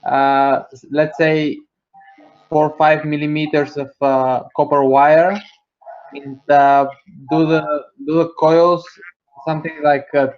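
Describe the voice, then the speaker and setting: A man's voice: a little high, level tone, slow pace, highs cut off, slight background noise. A man from Bulgaria in the audience asks a question, hesitant and full of filler sounds and restarts. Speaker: audience member asking a question.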